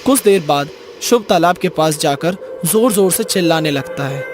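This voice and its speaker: Casting: male storyteller for cartoon horror, fairly high voice, scripted narration over clearly audible music. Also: expressive, normal speed. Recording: music behind the voice.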